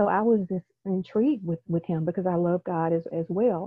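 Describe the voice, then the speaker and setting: A woman with a Memphis accent, medium in pitch, at a fairly quick pace, with fairly even intonation. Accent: Southern US (Memphis). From US South, Memphis, Tennessee. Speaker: executive coach. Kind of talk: interview, personal testimony.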